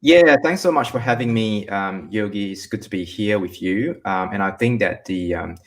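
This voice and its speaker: A young man from Malaysia, a guest in an online interview, speaking reflectively with many filler pauses. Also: on the low side.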